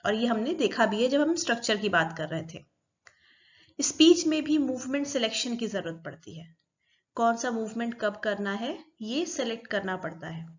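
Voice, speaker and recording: A woman's voice: on the high side, lively intonation, normal speed, highs cut off. A woman teaching a recorded psychology lecture, explaining step by step and repeating key terms.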